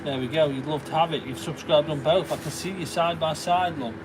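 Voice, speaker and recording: A man's voice: a little high, fairly even intonation, a little fast, noisy background. A man with a Derbyshire accent chatting casually on a livestream, thanking viewers and reading out their names. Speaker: livestreaming stone carver. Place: workshop.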